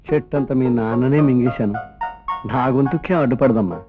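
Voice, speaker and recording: A man in a film scene, teasing and full of wordplay, giving lines in quick comic dialogue. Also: medium pitch. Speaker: scheming elderly guardian in a comedy film. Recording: dull lo-fi film audio with music.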